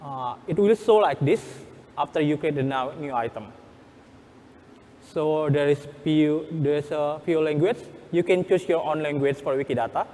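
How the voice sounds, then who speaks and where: Male workshop presenter, Indonesian accent, slightly high voice. Halting, instructional, non-native English. Reverberant hall sound. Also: darkish tone.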